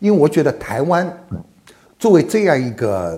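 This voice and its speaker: His pitch moves in very wide swings. The voice is a man's. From Shanghai. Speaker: traditional Chinese musician. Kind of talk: interview.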